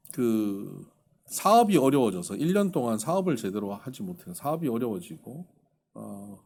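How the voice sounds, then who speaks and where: A middle-aged male pastor giving a sermon, telling a story quietly and then rising into fervent exhortation. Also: mid-range voice, breathy edge.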